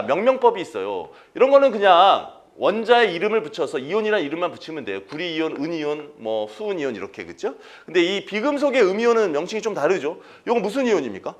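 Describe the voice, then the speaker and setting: Lively male chemistry lecturer, quizzing. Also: a little high. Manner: quizzes students with questions and answers them himself; repeats key terms. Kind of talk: exam-prep lecture.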